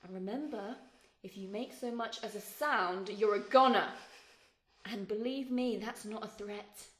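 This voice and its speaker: A young woman acting a mysterious, menacing guide in a horror audio play, hushed, commanding and teasing with threats. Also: medium pitch, measured pace, natural voice. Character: mysterious menacing female guide in a hellish place. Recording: very echoey binaural recording.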